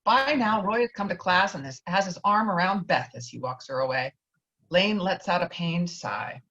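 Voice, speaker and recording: Reading stage directions from a screenplay during a virtual table read, a woman speaks at a normal speed in a fairly low, slightly bright voice. The video call audio sounds dull and lo-fi.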